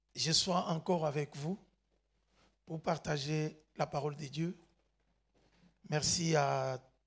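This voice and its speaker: At a very slow pace, a man speaks in a monotone, flat intonation broken by long, frequent pauses. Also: fairly high pitch for a man. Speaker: pastor. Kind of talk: sermon. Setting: church.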